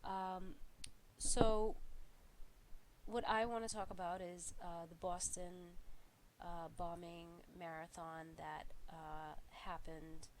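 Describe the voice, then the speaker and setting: Young woman, stuffy congested voice, slow halting delivery with lots of ums, low flat tone, faint hiss behind. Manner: halting, many fillers and restarts. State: congested from a flu. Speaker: student presenter. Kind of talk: class video presentation.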